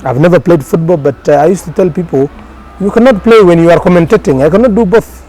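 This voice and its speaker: This guest journalist, raised in Garissa, Kenya, with Somali as his mother tongue, recounts his career casually, stumbling through many fillers and restarts. He has a high-pitched, mellow voice and talks fast. The recording quality is poor.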